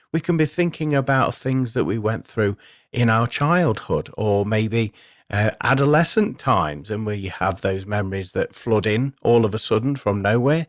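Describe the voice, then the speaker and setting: A man hosting a spiritual self-help radio show, talking in a measured, explanatory way with deliberate pauses. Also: medium pitch, dry recording, clean studio sound.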